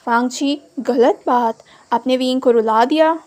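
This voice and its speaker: A calm elder brother, as a woman reads him out, teases with a wry edge. The voice is high and light. It is plain storytelling with little character change. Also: measured pace. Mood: teasing. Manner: wry, teasing.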